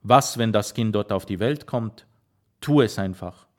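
A man's voice: fairly low pitch, a little slow, lightly acted. A man voicing a stubborn, determined young farm woman in an audiobook reading, firm and curt. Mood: urgent.

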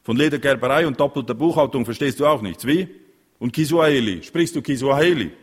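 A man's voice: mid-range voice, animated, fairly quick, slightly rough, in a large hall, pitched above the performer's own voice. A man reading an audiobook voices a grumpy, mocking small-town mayor who rattles off questions.

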